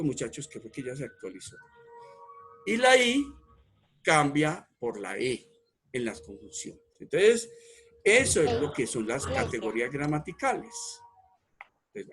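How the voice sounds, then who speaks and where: Man, teacher, husky, lively pitch, emphatic, faint background music. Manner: emphatic, repeats key words, asks the class questions. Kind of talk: online class lecture.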